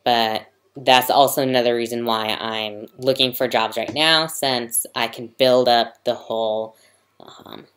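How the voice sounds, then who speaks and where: A young trans man talking in a casual video diary to his computer mic, hesitant with many ums and pauses, sick and yawning. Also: medium pitch, fairly even intonation, a bit bright. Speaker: vlogger.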